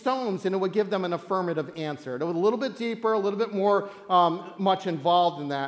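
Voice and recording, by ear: Reading aloud in a natural voice, pitch moving in an ordinary way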